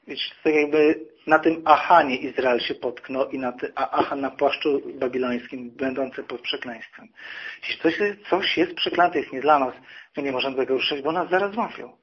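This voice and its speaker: Man preaching, personal testimony, voices other people in his stories, muffled sound, light background hiss. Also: fairly high pitch. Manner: storytelling, acting out quoted people.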